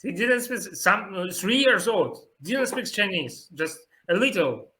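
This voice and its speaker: Russian man with bright, lively chatter. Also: high-pitched. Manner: halting learner's English, laughs often. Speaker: host. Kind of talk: casual interview chat.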